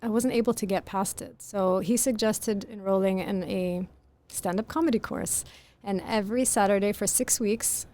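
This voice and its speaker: A woman author with a very soft voice, answering interview questions in a thoughtful, articulate and earnest way. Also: mid-range voice, fairly even intonation, normal speed. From grew up in Greece. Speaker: author guest. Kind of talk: podcast interview.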